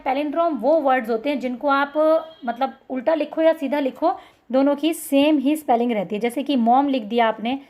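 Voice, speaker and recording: A woman's voice: high-pitched, darkish tone. A woman with an Indian accent giving an exam-prep lecture, mixing Hindi with English terms and answering her own questions. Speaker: teacher.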